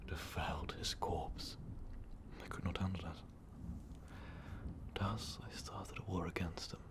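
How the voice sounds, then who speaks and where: A man playing an ancient, brooding vampire overlord in an intimate ASMR roleplay, speaking in a weary, halting, breathy whisper. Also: fairly even intonation. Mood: somber, reminiscing. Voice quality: breathy, gravelly low whisper. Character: ancient, brooding male vampire overlord, tormented former rebel.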